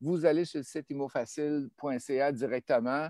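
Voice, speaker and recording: The speaker has a Quebec accent and a fairly slow pace. The sound is dry and close with no echo, over a quiet background. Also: man. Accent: Québécois French. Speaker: real estate investing host. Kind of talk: live-streamed interview. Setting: live video stream.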